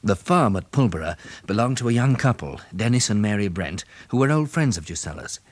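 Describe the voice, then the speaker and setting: A man with a British accent and husky voice, acting an affectionate, resolute survivor in a 1960s radio drama. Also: lowish voice, expressive, fairly quick. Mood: grave narration.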